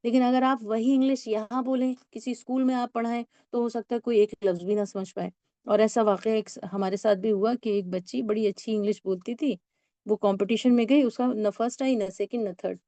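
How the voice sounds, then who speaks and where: A woman teacher takes learners through English sentences. She explains with patience and reads each sentence out slowly, word by word. Her voice is warm and mellow, recorded close and dry. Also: on the high side, fairly even intonation, no room sound. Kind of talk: spoken English lesson.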